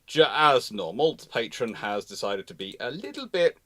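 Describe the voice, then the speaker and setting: A man's voice: mid-range voice, very animated, moderate pace, fairly bright tone. A man hosting a casual live question-and-answer talk, often breaking off and restarting as he speaks. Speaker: host of a naval history livestream.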